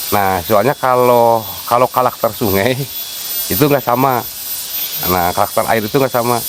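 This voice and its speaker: This is a casual explanatory interview with a man from West Java who works as a site guide and has a Sundanese accent; he takes his time and uses many fillers. His mid-range voice runs at normal speed. The setting is outdoors at a wooded sacred site, and the background is noisy.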